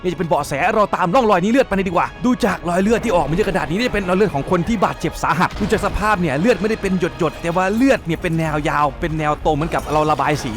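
Fast, high-voiced male recap narrator. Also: over music. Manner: excitable, crude and joking. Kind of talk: casual spoiler recap narration.

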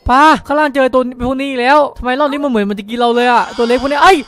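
A young man hosting an excited Minecraft roleplay, exclaiming urgently and repeating words in bursts. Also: extremely high pitch, very fast, slight background noise. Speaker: gaming video host. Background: background music.

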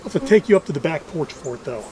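A middle-aged man with a notably high voice talks casually through his work as a beekeeping host. He is chatty and dryly humorous. The recording is outdoors, with faint insect noise behind him. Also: lively intonation, racing. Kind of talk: casual running commentary while working. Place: outdoors among trees at beehives.

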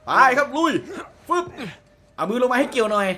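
A man casually commentating his own gameplay, excitedly explaining the on-screen dialogue as he plays. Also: very high voice, fairly quick, soft background music. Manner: excitable, translates and explains game dialogue aloud. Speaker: gamer commentating a let's play.

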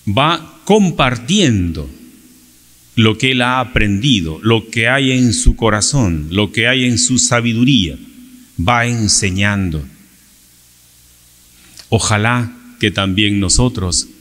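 A middle-aged man preaching a Sunday homily from a church pulpit, measured and deliberate, with rhetorical questions. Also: medium pitch, a bit bright. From Peru. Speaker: priest. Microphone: pulpit microphone on a stand. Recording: long church reverb.

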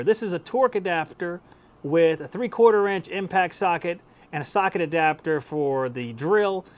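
Shelves of power tools line the indoor home workshop where a tool-testing YouTuber in his thirties does a casual hands-on review. His slightly high voice comes through a clip-on lapel mic, relaxed and chatty, and he laughs at how his tests turn out.

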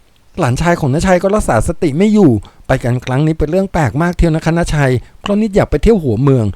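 A man voicing a brisk young society woman in a radio-style storybook reading, in a lilting, raised voice. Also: on the high side, animated, darkish tone, no room sound, natural voice. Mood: puzzled.

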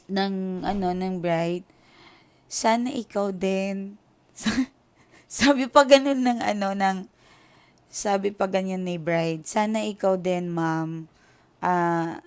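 A woman's voice: lowish voice, a little mellow, smooth. A young Filipino woman telling a story to her viewers in an emotional, chatty way, switching between Tagalog and English. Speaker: tarot reader.

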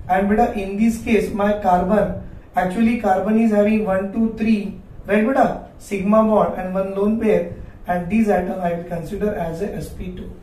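High-voiced South Asian man teaching, echoey room. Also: warm tone. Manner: instructional, repeats phrases for emphasis, asks and answers questions. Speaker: chemistry teacher. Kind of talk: classroom lecture at a whiteboard. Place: small indoor classroom at a whiteboard. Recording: roomy echo, distant mic, faint noise.

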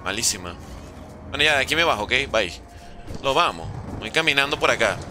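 A man's voice: mid-range voice, animated, fairly quick, noisy background. A man streaming live gameplay, commenting and joking playfully with chat while using Mexican slang. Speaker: gaming streamer.

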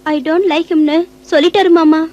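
A woman's voice: sits high, steady tone, takes it slowly, darkish tone, highs cut off. An actress playing a tearful young married woman who complains and pleads. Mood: pleading.

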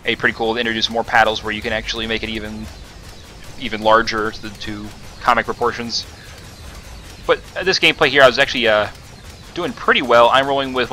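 Bright-voiced man narrating his gameplay. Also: lowish voice. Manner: rambling, many fillers and self-corrections. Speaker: gaming commentator. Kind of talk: casual gameplay commentary.

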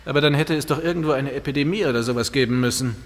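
An actor playing a flirtatious, smooth-talking police detective in an audio drama, with a flippant manner. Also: male voice, mid-range voice, very fast, lightly acted. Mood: flippant, curious. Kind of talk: German audio drama acting. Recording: reverberant sound with background noise.

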